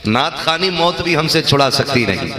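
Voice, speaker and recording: A man's voice: fairly high pitch, animated, moderate pace, bright, forceful tone, slight background noise. Man preaching to a crowd, echoey hall. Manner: banters with the crowd and calls out slogans for them to answer. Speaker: religious speaker. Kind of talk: sermon to a live gathering.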